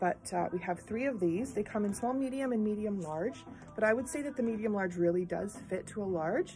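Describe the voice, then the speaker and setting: Faint music plays in the background. The speaker moves at a fairly quick pace. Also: woman. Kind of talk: casual product showcase. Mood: enthusiastic, chatty. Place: shop. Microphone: phone near.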